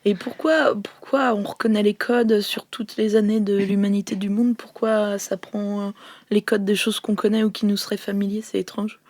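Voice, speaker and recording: A woman's voice: medium pitch, flat delivery, normal speed, darkish tone, no room sound. A woman with a French accent talking casually as a player in an improvised role-playing game. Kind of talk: casual improvised table talk.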